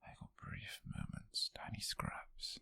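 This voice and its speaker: A British man in an ASMR roleplay, playing an obsessive, possessive lovesick co-worker in a breathy, gravelly whisper, slow and intimate, close to the microphone. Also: sharp tone. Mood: confessional, longing. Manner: slow, intimate, brooding, with heavy pauses. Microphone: close-up, dry microphone.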